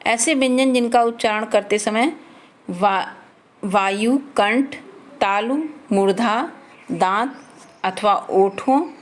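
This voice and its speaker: Slow, deliberate woman teaching grammar. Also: medium pitch. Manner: reads out letters and example words one by one, deliberate. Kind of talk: slow Hindi grammar lesson for children.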